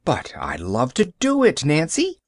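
A man's voice: on the high side, wildly swooping pitch, unhurried, dry recording, heavily acted. A man voicing a cheerful, chatty young girl who talks eagerly. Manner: bright and eager.

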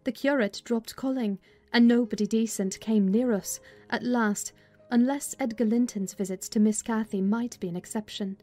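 A woman playing a plain-spoken housekeeper, recounting family history in a measured dramatized literary reading. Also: on the high side, fairly even intonation, warm tone, natural voice. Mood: measured, reflective. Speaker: audiobook narrator. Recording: music bed behind voice.

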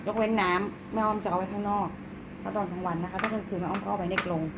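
A woman's voice: mid-range voice, level tone, fast, heavy background noise. A middle-aged woman chatting casually at home about her pets, cooing to her cats in baby talk. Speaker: pet owner filming her cats and rabbits. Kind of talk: casual chat to pets and viewers.

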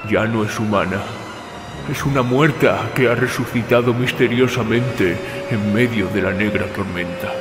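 A man's voice: on the low side, moderate pace, natural voice. A man playing an older narrator haunted by memory, telling a horror story dramatically in the first person. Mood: hushed horror. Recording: music behind the voice.

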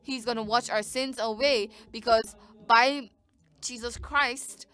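A woman's voice: on the high side, fairly even intonation, takes it slowly, a bit bright. A woman giving live interpretation of a sermon, speaking in short bursts with frequent restarts.

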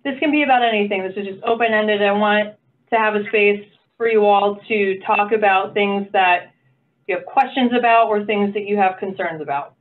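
A woman's voice: mid-range voice, normal speed. Woman on a tinny video call. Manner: upbeat, encouraging, playful asides. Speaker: meeting facilitator. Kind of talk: online meeting facilitation. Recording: phone-like video call audio.

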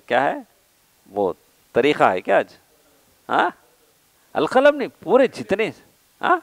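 A man's voice: medium pitch, no room sound, low-quality recording. A man with an Indian Urdu accent giving a religious lecture, often asking his listeners a question and then answering it himself, and mixing Arabic quotations and English words into his talk. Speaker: Islamic scholar giving a lecture. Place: mosque or lecture hall.

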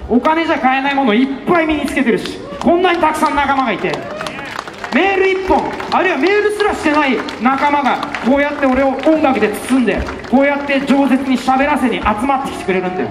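A man giving an impassioned street campaign speech outside a station, rhetorical and fiery, often breaking into shouts. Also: extremely high pitch, lively intonation, quick pace, crowd noise, background noise. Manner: fiery, rhetorical, with repeated questions and bursts of shouting. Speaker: election campaign speaker. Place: outdoors in front of a busy station. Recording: echoey outdoor PA sound with faint music.

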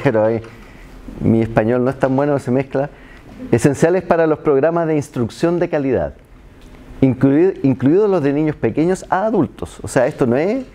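In a seminar room with a projector, a middle-aged Chilean man with a mellow, medium-pitched voice gives a relaxed lecture to seated students. He checks in with "¿ya?" after nearly every point and adds self-mocking asides, speaking into a handheld microphone while a distant camera films.

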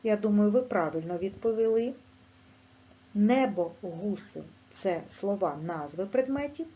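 Slow sing-song Ukrainian woman teacher. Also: dull audio. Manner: slow, clear, sing-song teacher talk with lively pitch. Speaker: primary school teacher. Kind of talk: online language lesson for children.

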